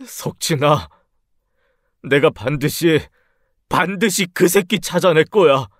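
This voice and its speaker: A man's voice: a little high, takes it slowly, no echo, clean studio sound. A man playing a grieving husband who rages and threatens revenge, in a story radio drama reading. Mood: seething. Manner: raging, threatening, shouting. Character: grief-crazed vengeful husband, middle-aged man.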